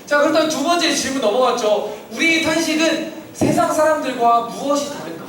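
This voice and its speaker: A man's voice: extremely high pitch, expressive, brisk, fairly bright tone, slight background noise. A man preaching to children at church and leading them in call-and-response answers. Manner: asks kids questions, leads call-and-response. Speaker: children's pastor. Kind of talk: interactive children's sermon. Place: church hall. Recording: very echoey hall, distant mic, children audible.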